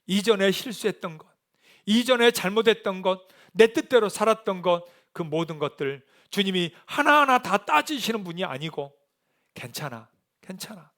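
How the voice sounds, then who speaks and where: A male pastor preaching a sermon. He moves from soft, hushed reflection to loud, rising appeals to the congregation. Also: sits high, animated, moderate pace. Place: church sanctuary.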